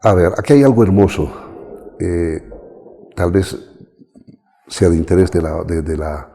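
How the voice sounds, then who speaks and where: A middle-aged man with a Bolivian accent tells his story as an interview guest, with a very deep, gravelly voice. His tone is dark and mellow, and he brings the people he quotes to life. A long reverb trails behind his words. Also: a little slow, a little hiss or hum. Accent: Bolivian Spanish. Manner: animated, acts out quoted voices.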